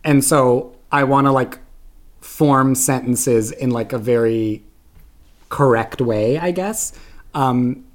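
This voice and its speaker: A young man from Canada, appearing as a podcast guest, spins stories in relaxed conversation, saying "like" over and over. He speaks slowly at a medium pitch.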